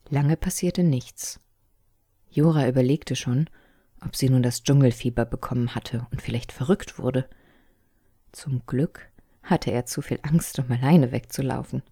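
A woman reads a children's adventure story aloud in a remarkably deep, dark voice. Her delivery is calm and expressive, and the recording is dry and close with no room sound. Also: breathy edge, no echo. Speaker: narrator.

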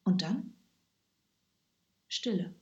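Woman, storybook narration, lively, expressive, roomy echo. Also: extremely slow, muffled recording. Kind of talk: storybook reading. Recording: echoey room.

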